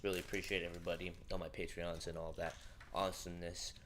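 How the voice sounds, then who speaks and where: A man's voice: deep voice, level tone, fast, a bit bright, a little hiss or hum. A man hosting a livestream in a casual, chatty, informal way. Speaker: livestream host.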